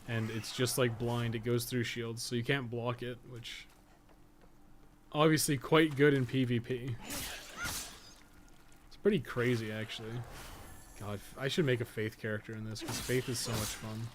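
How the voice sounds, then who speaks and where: A man's voice: medium pitch, fairly even intonation, unhurried, long pauses, slight background noise. A man giving casual live gameplay commentary, rambling and thinking aloud in loose, sometimes profane language. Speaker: podcast co-host and gaming streamer.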